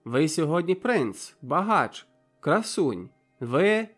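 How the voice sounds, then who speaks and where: A man voicing a flustered, excitable young woman in an audiobook, with breathless exclamations. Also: a little high, slow, faint music behind, voice pushed up, heavily acted.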